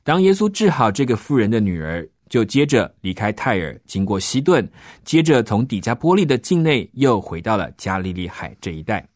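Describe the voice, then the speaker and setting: A man narrating a children's story and gently explaining it with soft sentence-end particles. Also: on the low side, big pitch swings, moderate pace, no echo, studio quality.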